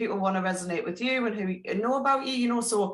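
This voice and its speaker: A woman with a Geordie accent, fairly high pitch and ordinary pitch variation. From northern England, Newcastle area. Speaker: business club co-founder. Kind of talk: casual chat. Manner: animated.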